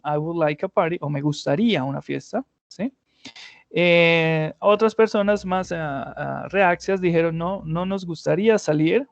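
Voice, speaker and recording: A man's voice: a little high, vocal fry, no echo. A male English teacher explaining grammar in an online class, patiently going step by step and often checking in with his students.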